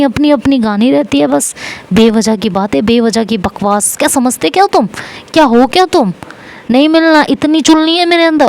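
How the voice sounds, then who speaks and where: A woman voicing a furious young woman who scolds her girlfriend, shouting and repeating words in anger. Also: high voice, voice pushed up.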